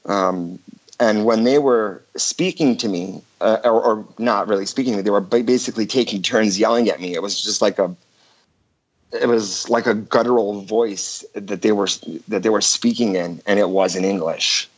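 A man's voice: fairly low pitch, normal speed. A male caller on a call-in show, recounting a story with many restarts and fillers. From Michigan, USA. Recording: dull phone-line call.

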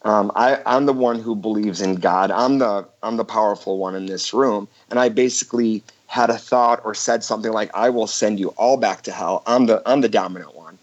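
A man's voice: fairly low pitch, normal speed, hardly any pauses. A male caller on a call-in show, recounting a story with many restarts and fillers. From Michigan, USA. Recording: dull phone-line call.

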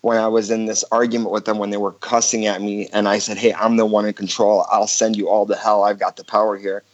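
A man's voice: on the low side, flat delivery, a little fast. A male caller on a call-in show, recounting a story with many restarts and fillers. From Michigan, USA. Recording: dull phone-line call.

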